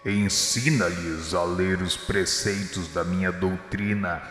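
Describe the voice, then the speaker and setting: A Brazilian man playing Jesus as a gentle, solemn divine spirit in a religious radio drama, speaking slowly in exhortation. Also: deep voice, steady tone. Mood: solemn, tender. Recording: long echoing reverb, music behind. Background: music.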